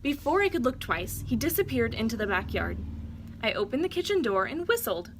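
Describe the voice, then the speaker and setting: A woman reading a children's story aloud like a teacher, with deliberate, dramatic phrasing for young listeners. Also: fairly high pitch, very animated, noisy background.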